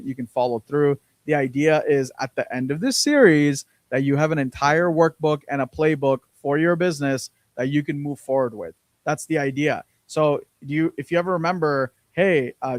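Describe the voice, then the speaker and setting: A man's voice: fairly high pitch, fairly quick, hardly any pauses, dry recording. A man co-hosting a business podcast in casual chat, rambling with lots of fillers and repeated words, on a close mic. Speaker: podcast co-host.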